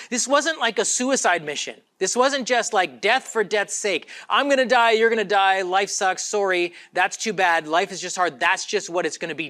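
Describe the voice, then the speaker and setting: High-voiced man preaching casually. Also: fairly bright tone. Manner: conversational, acts out quoted lines with laughs. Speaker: pastor. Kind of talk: sermon.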